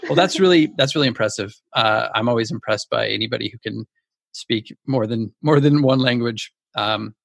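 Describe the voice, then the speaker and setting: A man's voice: medium pitch, moderate pace, creaky, dry recording. A man hosting a podcast interview, chatty and friendly, laughing easily. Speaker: podcast host. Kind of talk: casual interview chat.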